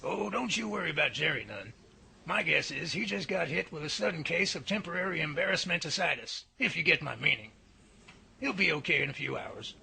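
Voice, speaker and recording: A man's voice: fairly high pitch, expressive, fairly quick, vocal fry, bright, forceful tone, husky, full character voice. A man playing a folksy, joking research professor who drawls country sayings.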